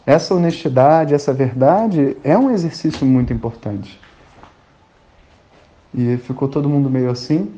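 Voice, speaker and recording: A man's voice: medium pitch, animated, unhurried, dark tone. A man from Rio de Janeiro, telling a personal story in a colloquial way and acting out the dialogue. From Rio de Janeiro, Brazil. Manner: colloquial, acts out quoted dialogue. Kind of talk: anecdotal storytelling talk. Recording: dull lo-fi recording.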